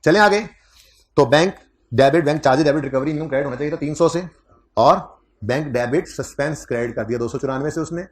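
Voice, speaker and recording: A man's voice: on the high side, quick pace. A man giving a classroom accounting lecture, conversational, teasing his students and repeating key points.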